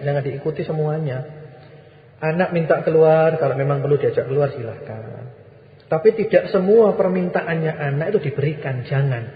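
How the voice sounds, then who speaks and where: A male Islamic preacher answering listeners' questions in a firm, exhorting, repetitive manner. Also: a little high. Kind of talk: sermon Q&A. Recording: echoey hall, muffled lo-fi recording.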